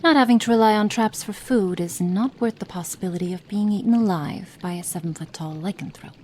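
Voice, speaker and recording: A woman voicing a cold, impatient female witch experimenter in an ASMR roleplay, speaking softly and partly in whispers, haughty and condescending. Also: medium pitch, a little fast, a little hiss or hum, close to an everyday voice. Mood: musing. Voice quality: soft, partly whispered delivery.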